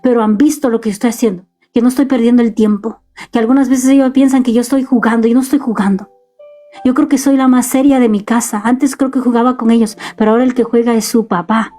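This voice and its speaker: A woman's voice: fairly high pitch, fairly even intonation, fast talker, mellow, soft background music. Earnest woman preaching at home. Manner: earnest, exhorting, speaks straight to parents. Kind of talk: home video sermon. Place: her son's bedroom at home.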